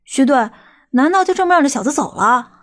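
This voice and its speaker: A woman's voice: high voice, expressive, fairly quick, fairly bright tone. A woman playing a stern, impatient police detective in an audiobook drama. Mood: argumentative.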